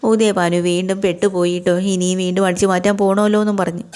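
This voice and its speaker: A woman's voice: lowish voice, level tone, fast, darkish tone, clean tone. A woman casually retelling a television serial episode in a chatty way, often turning to the listener with small tag words. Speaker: storyteller recapping a TV serial episode. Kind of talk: casual spoken recap.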